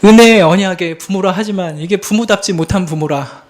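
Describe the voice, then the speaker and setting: A man in his thirties, a pastor preaching a sermon in an earnest, confessional way, moving between hushed and emphatic delivery. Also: high-pitched, brisk, noisy background.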